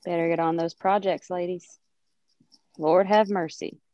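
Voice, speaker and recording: Woman playing a low-voiced, sharp-tongued country wife. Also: fairly even intonation, unhurried, highs cut off, natural voice. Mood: bossy. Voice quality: folksy Southern-style country diction. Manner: scolding, wry. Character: irritable, sharp-tongued thirty-year-old small-town wife. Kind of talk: table-read acting.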